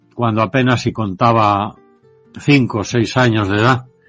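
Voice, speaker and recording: Music plays in the background behind fairly even intonation. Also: man. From Madrid, Spain. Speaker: journalist, broadcaster and writer. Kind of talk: interview answer. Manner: reflective, unhurried.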